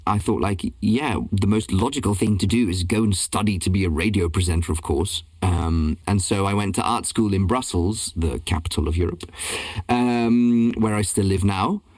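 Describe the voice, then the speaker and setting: A man's voice: on the low side, normal speed, darkish tone, husky, dry recording. A man from Belgium, a voice-over and casting director, talking casually in an interview on a remote call, rambling with many ums and restarts.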